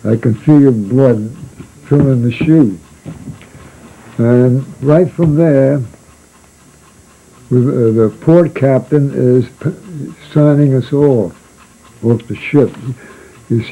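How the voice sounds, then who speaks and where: An older man tells a spoken memoir of his seafaring days in a gravelly, very dark voice. His delivery is slow, halting and rambling, with many restarts and fillers. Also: mid-range voice, poor audio.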